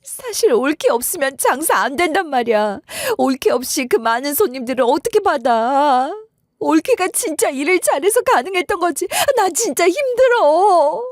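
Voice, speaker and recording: A woman's voice: sits high, sing-song, moderate pace, no echo, studio quality, pitched above the performer's own voice. Woman voicing a desperate sister-in-law. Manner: desperate, pleading.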